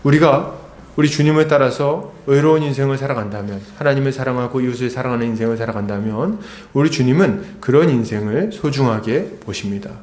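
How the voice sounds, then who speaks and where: A man's voice: mid-range voice, brisk, darkish tone. A man preaching an expository sermon as a pastor, talking conversationally and asking the congregation rhetorical questions. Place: church sanctuary. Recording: echoey church hall.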